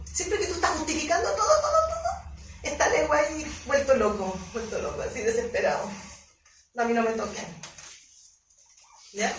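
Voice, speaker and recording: A woman coach and emotional therapist giving a conference lecture, animated, often stumbling and repeating words as she explains. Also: sits high, a little hiss or hum. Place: conference hall. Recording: roomy echo, mic from far off.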